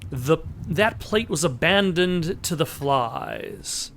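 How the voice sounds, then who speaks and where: Man, let's play host, reads game text aloud, slightly high voice, casual asides. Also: lively intonation, takes it slowly, a bit bright, a little hiss or hum.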